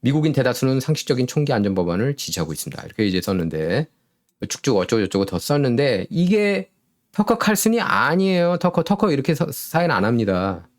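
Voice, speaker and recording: A man's voice: mid-range voice, very animated, brisk. A man hosting a solo political commentary show, sarcastic and full of rhetorical questions.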